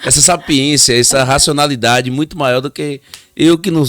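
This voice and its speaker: A man's voice: a little high, moderate pace, fairly bright tone, no room sound, clean studio sound. A man, hosting a podcast in a joking, chatty way. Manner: joking, chatty, laughs often. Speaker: podcast host. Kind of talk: casual interview.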